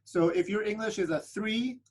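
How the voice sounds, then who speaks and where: Speaking at a moderate pace with a breathy edge, a man who grew up speaking Spanish promotes a flight school on a webinar. He keeps things upbeat and salesy, often ending points with "right?"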